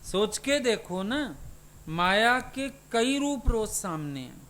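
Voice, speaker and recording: A man's voice: high voice, big pitch swings, slow pace, fairly bright tone. A man, a spiritual teacher, giving a satsang sermon and putting questions to his listeners.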